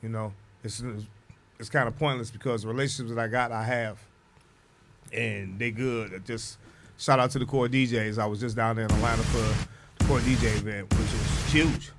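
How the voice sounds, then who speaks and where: A man's voice: mid-range voice, steady tone, moderate pace, soft background music. A man, talking as a guest DJ in a casual radio interview, laid-back and drawling, chuckling between thoughts. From Detroit, USA.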